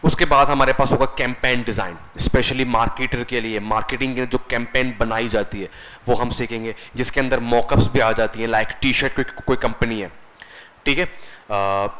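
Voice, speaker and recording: A man's voice: mid-range voice, fairly bright tone, a little hiss or hum, low-quality recording. A man teaching a classroom lecture as a computer course instructor, conversational, often asking the class questions and answering them himself.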